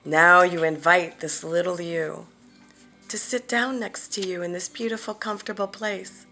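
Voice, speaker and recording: A woman leading a guided visualization, speaking gently and deliberately with long pauses and some softly breathed phrases. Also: fairly low pitch, fairly even intonation, soft background music. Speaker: guided meditation leader. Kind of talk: guided visualization, soothing meditation narration.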